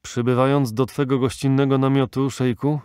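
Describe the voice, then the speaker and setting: A man's voice: medium pitch, level tone, moderate pace, darkish tone, smooth, no room sound, pitched above the performer's own voice, lightly acted. A man voicing a determined young hero, speaking earnestly in an audiobook with a dry sound.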